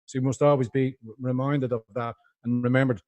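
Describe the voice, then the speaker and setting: A man's voice: medium pitch, level tone, brisk, warm tone. A man with a Dublin accent, a guest on a livestream interview, talking in a rambling, impassioned way over a video call. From Ireland.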